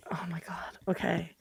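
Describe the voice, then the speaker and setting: Chatting animatedly as a podcast guest, a marketing consultant in her forties keeps things casual in an interview setting. She's talkative and fills her sentences with "like" and other filler words.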